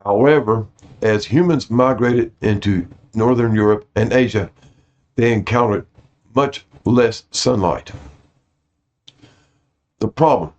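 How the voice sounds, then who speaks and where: A man with a lowish voice takes his time, pausing often as he reads notes aloud to his viewers in an informal style. Stumbling over some words, he corrects himself and apologizes for how he says them. The recording sounds dull and lo-fi.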